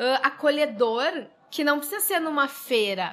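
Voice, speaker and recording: A woman projects a raised, high, bright and sharp voice with lively intonation. Her pace is fairly slow. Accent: Rio Grande do Sul. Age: 20s. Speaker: startup founder and CEO. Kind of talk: panel discussion. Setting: recorded at a trade fair.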